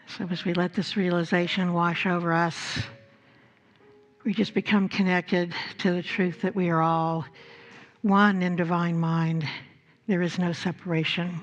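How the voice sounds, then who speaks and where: A woman pastor leading a guided prayer at a church service, speaking in measured phrases with long pauses between them. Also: fairly low pitch, level tone, highs cut off, faint music behind. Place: church service before a congregation.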